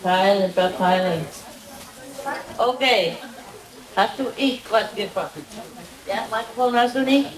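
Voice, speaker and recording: Slow-talking woman with foreign accent, echoey recording. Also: mid-range voice. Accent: foreign accent in German. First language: not German. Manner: short simple phrases, often repeated, teasing. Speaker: spiritual teacher leading a gathering. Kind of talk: casual informal talk to a group. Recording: echoey, distant mic, crowd around.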